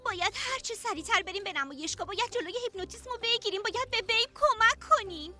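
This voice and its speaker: A shrill panicky young girl. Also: animated, sharp tone, soft background music, full character voice. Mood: urgent. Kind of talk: cartoon dub.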